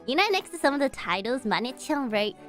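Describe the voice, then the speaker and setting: Fields. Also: female voice, high voice, big pitch swings, fairly quick, fairly bright tone, faint music behind. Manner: giggly, chatty, checks her audio settings aloud. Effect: heavily compressed mic with added reverb. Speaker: streamer. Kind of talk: casual live-stream chat.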